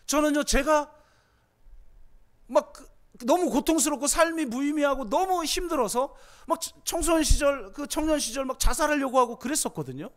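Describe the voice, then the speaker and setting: A middle-aged male pastor delivers a sermon in a high voice. He tells personal stories with feeling, dropping to near-hushed tones and then rising to impassioned pleas. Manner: emotional storytelling, swings from hushed to impassioned.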